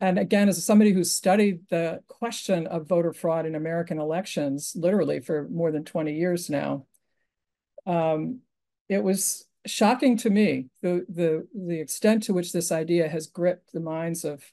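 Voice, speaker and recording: Against a quiet background, a woman talks at a moderate pace with a dark, mellow tone, a fairly low pitch and ordinary pitch variation. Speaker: panelist. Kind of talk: conference presentation. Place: home room. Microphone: earbuds.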